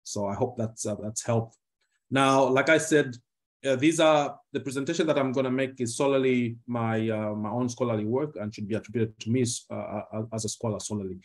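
A man from Zambia in his fifties, a law professor giving a formal, measured presentation on a video call, with frequent fillers. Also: mid-range voice. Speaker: guest speaker, law professor. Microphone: computer mic on a video call.

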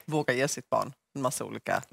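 A woman's voice: a bass voice, creaky, no room sound. A woman in her thirties hosting a morning TV show, reading viewer questions and chatting, recorded on a lapel mic in a studio.

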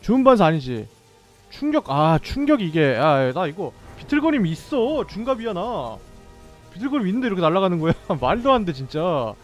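Young male game streamer, high voice, swings wide, cursing outbursts, faint music behind. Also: big pitch swings, fairly quick. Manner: swearing, yelling bursts at the game. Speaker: gameplay streamer. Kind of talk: live gameplay commentary.

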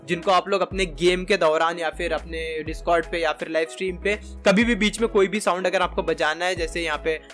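A man in his twenties giving a casual, chatty software tutorial step by step into a close desk microphone. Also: high-pitched, steady tone, brisk, few pauses, soft background music. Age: 20s. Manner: chatty, informal, explains step by step. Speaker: tutorial host. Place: small indoor room at a desk.

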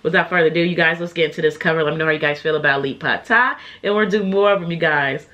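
A woman's voice: low-pitched, quick pace, pushed and bright, muffled recording. A young woman hosting a reaction video in a small room, chatting to viewers while she has a slight cold. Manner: chatty, addresses viewers as "you guys". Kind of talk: casual reaction chat. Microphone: webcam, headphones on.

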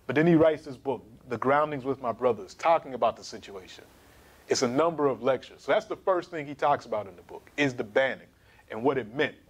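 A man in his thirties giving an emphatic, animated history lecture to camera in a small studio. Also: mid-range voice, brisk, husky. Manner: animated, emphatic, gesturing while pacing.

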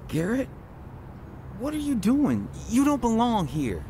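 Caring earnest christian friend, radio drama, takes his time, rumbly street noise. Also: wildly swooping pitch, heavily acted. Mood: concerned. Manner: earnest, measured, exhorting. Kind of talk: radio drama acting, reciting scripture.

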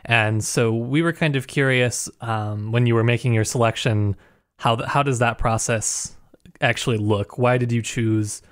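A man's voice: medium pitch, fairly even intonation, moderate pace. A man hosting a literature podcast, asking long searching questions with many fillers and hesitations. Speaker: podcast host. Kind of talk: casual podcast conversation.

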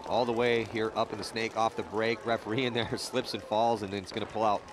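Lowish man calling live sport. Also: steady tone, fast, background noise. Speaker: play-by-play commentator. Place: outdoor paintball field.

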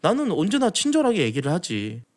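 A young man giving casual, animated commentary as a streamer, acting out bits of dialogue in changing voices. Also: high-pitched, brisk. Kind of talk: casual commentary on news and stories.

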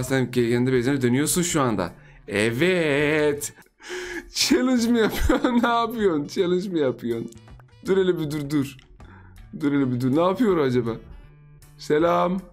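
A young man commentates his gameplay as a gaming YouTuber, teasing the other players and laughing often. His voice sits a little high and swings up and down constantly. Soft music plays faintly underneath. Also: expressive, brisk.

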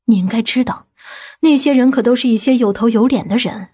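A woman playing a stern, commanding woman from a powerful family in an audiobook drama, speaking gravely and deliberately. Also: fairly high pitch, a little mellow. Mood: grave, persuading.

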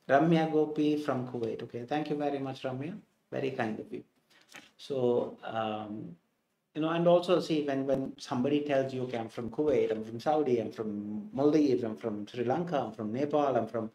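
A middle-aged man with a Kerala Indian English accent talks through a live online lesson, sprinkling "okay" and "you know" as he greets each student. His voice sits mellow and dark. The sound is roomy, with a clear echo off the walls. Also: mid-range voice. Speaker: English exam teacher. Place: small indoor studio set.

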